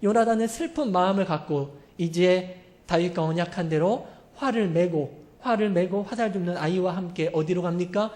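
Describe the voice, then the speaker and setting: Pastor preaching in a storytelling way, animated, questioning the congregation. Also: medium pitch, normal speed. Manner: animated, acts out quoted speech. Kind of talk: storytelling sermon.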